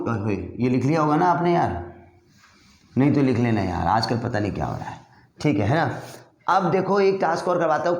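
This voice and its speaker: Brisk encouraging male English teacher. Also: on the high side, echoey room. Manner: brisk, encouraging, addresses students as brother. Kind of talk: spoken English class.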